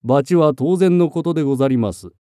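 A man's voice: a little high, fairly quick, no room sound, studio quality, voice pushed up, natural voice. A man voicing a defiant captured warrior. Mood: resolute. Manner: calm formal and unrepentant. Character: resolute captured male warrior monk.

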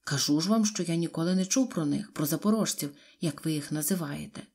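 A woman voicing a calm, polite male homeowner in an audiobook. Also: fairly high pitch, fairly quick, husky.

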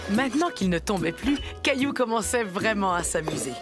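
A woman's voice: mid-range voice, lively intonation, normal speed, loud music behind the voice, natural voice. A woman voicing a kindly grandmother narrating a children's cartoon like a storybook. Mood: engaging.

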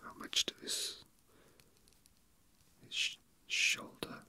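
Someone whispering asmr, really sharp breathy sound, slow casual muttering to themselves. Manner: soft, unhurried, murmuring to self. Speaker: toy unboxing video host.

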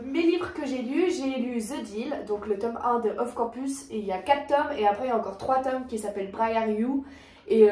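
Young woman, casual chat, lots of fillers, somewhat high, distant echoey room. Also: mellow. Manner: chatty, many fillers and restarts. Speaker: vlogger.

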